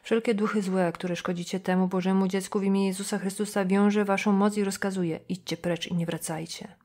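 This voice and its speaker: Kobieta odgrywająca fanatycznego kapłana, który uroczyście i rozkazująco wygłasza słowa egzorcyzmu. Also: female voice, medium pitch, fairly even intonation, fairly quick, a little mellow, lightly acted. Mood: preaching. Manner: solemn, declaiming. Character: fanatical male priest, commanding exorcist.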